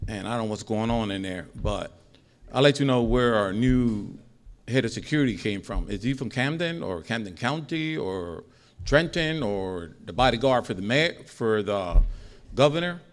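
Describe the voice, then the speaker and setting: At a school board meeting, a middle-aged man speaks into a podium microphone during public comment, rambling and repeating himself as he grows more heated. His mid-range voice is animated, at a normal speed.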